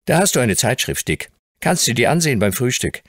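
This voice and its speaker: A clever, good-natured young lawyer, as a male audiobook reader puts him on, friendly and articulate with a teasing edge. The husky voice sits a touch higher than the reader's own. It moves in lively swings. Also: brisk, no echo, clean studio sound.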